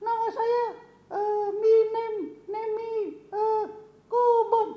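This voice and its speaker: A woman voicing a small, timid childish puppet boy with a very high, squeaky, whiny voice that fumbles its words. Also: level tone, takes it slowly, muffled recording. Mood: confused. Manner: whiny, hesitant, broken English.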